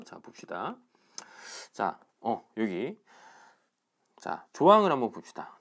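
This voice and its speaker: Male teacher for an online lesson, patient step-by-step explainer, animated pitch. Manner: explains step by step, asks "알겠죠?" and "그쵸?" after each point. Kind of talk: online class lecture. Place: indoors, recording alone for an online class.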